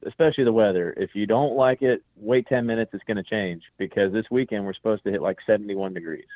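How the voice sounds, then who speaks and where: A man's voice: on the low side, quick pace, no echo. A man from Texas on the phone as a guest, chatting casually and rambling with many restarts. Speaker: guest calling in. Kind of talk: casual chat. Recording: tinny phone line.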